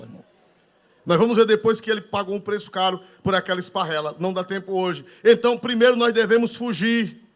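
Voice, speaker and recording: An older man with a Northeastern Brazilian accent delivers a sermon in a fairly high voice. He preaches fervently, drops to a hush and then rises to a shout, with hallelujahs scattered throughout. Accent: Northeastern Brazilian Portuguese. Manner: fervent preaching with frequent hallelujahs, swings from loud to quiet. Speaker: pastor.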